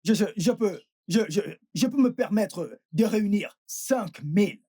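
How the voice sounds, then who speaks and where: Actress as greedy loudmouth woman, raspy, lively ups and downs, dubbed drama. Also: mid-range voice, unhurried. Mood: bargaining. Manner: stammering, squabbling. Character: loud, greedy woman chasing her money.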